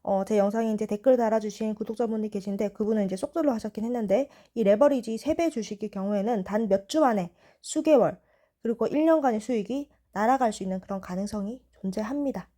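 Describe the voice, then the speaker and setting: A young woman in her twenties calmly walking through stock chart analysis. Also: medium pitch, quick pace. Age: 20s.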